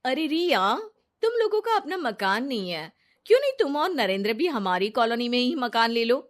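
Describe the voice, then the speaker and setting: A woman's voice: a little high, sing-song, moderate pace. A woman voicing a scheming, sweet-talking young woman who coaxes her friend. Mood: coaxing.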